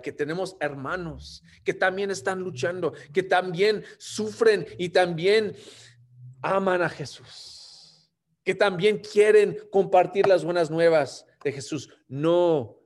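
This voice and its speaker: Slow, earnest preacher. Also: male voice, a little high. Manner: earnest, chuckles often. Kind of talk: sermon.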